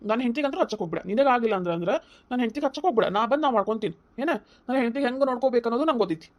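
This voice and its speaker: Voicing a cartoon comedy's heated young husband, a woman speaks very fast in an expressive, somewhat high voice with light acting. The character, who has a North Karnataka Kannada accent, defends his wife against his mother by scolding and lecturing relentlessly.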